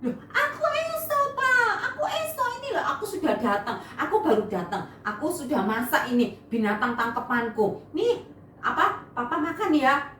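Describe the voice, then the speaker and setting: A woman's voice: sits high, sing-song, moderate pace, a bit bright, slight background noise. Woman doing a wailing, whiny grown son. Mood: pleading. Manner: whiny, pleading, sobbing. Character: grown son, wailing over lost blessing. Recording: echoey room, mic far off.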